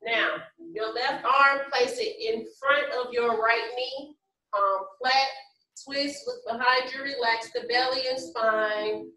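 A woman leading a guided yoga class as instructor, giving short, measured step-by-step cues and counts. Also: a little high, sharp tone. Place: large empty carpeted office room, indoors. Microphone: far camera across the room. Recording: echoey room, distant microphone, faint music.

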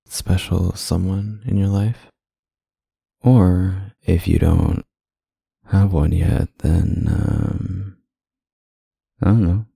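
A man performing an ASMR roleplay as a flirty, self-deprecating club singer, speaking casually with hesitant, softly teasing delivery over music. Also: low voice, vocal fry, breathy edge, no echo, full character voice. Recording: close dry mic, music behind. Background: music in a staged club scene.

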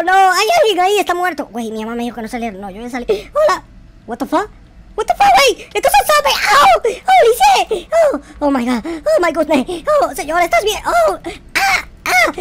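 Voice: heavy background noise, heavily acted. A performer voicing a naive, easily panicked young boy in a video game roleplay, whining and exclaiming. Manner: high-pitched, whiny, exclaiming, gasping.

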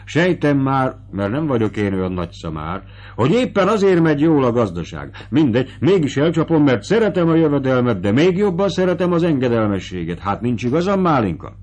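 A man's voice: medium pitch, big pitch swings, darkish tone, voice pushed up. A man voicing a genial, self-satisfied baron who talks in an expansive, declaiming way. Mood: jovial, boastful. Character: genial high-born male baron, talkative and self-satisfied.

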